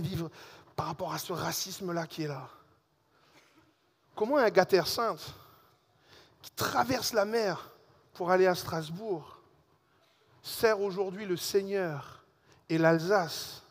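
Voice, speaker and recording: High-voiced man preaching in a reverberant hall. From Alsace and Réunion. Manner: lively storytelling, addresses the congregation directly. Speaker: pastor. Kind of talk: sermon. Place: church hall.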